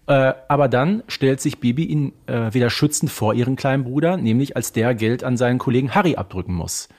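A man co-hosting a talk podcast, chatting about an audio drama series like an animated storyteller and posing rhetorical questions. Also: mid-range voice, brisk. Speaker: podcast co-host.

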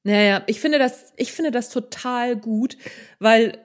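A woman's voice: on the high side, a little slow. A middle-aged woman hosting a casual interview, chatting about her own path and often checking back with her guest. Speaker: interview host, coach and author.

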